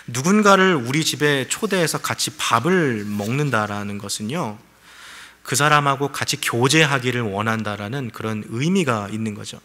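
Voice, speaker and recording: Bright-voiced man preaching conversationally. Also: medium pitch. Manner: conversational preaching with rhetorical questions. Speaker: pastor. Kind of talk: sermon.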